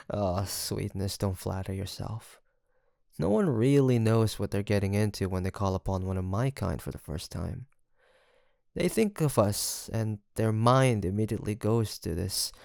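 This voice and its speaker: A man's voice: fairly low pitch, creaky, darkish tone, dry recording, studio quality, exaggerated voice. A man playing a seductive, teasing incubus demon in an intimate audio roleplay, with a theatrical, flirtatious drawl and a smug, sweet-talking manner.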